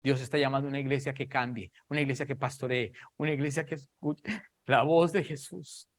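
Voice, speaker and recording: Preacher, dramatic and emphatic. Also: male voice, mid-range voice, fairly even intonation, a little fast. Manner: dramatic, acts out Bible scenes in raised voices; repeats phrases for emphasis. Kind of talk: sermon.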